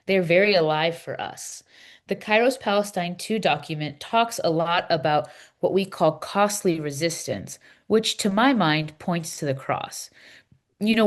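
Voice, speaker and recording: An earnest Palestinian Christian woman, read by a woman in a readers theater piece, explains her cause with deliberate, emphatic phrasing. Her voice sits a little low and carries steady conviction. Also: lightly acted. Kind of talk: scripted dialogue read as measured conversation.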